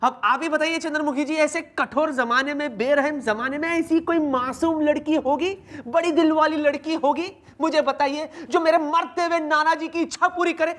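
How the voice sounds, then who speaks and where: An actor playing a melodramatic, scheming officer in a sitcom, pleading and flattering over the top. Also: male voice, very high voice, normal speed, few pauses. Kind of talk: sitcom acting.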